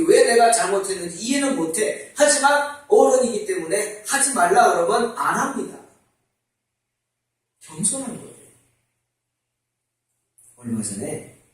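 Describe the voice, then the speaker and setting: Middle-aged male pastor with a lively, swooping delivery, preaching and asking the congregation questions, caught from a distance in a very echoey church hall. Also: sits high. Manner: animated, conversational, asks the congregation rhetorical questions. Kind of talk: sermon. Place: church sanctuary.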